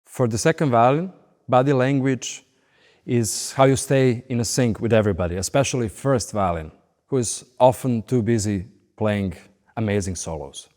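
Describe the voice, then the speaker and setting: A man in his late thirties speaks English with a Serbian accent at a middle pitch. He talks in measured, deliberate phrases, as in an interview. Long reverb from a large hall surrounds his voice. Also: a little mellow. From Belgrade, Serbia. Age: late 30s. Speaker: professional orchestral violinist being interviewed. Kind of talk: interview monologue.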